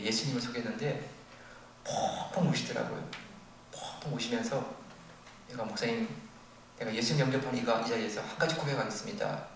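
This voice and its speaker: An older man preaching a sermon as a pastor, telling a story with animated, acted-out quotes. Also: mid-range voice. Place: church sanctuary. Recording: very echoey, distant from the mic, faint noise.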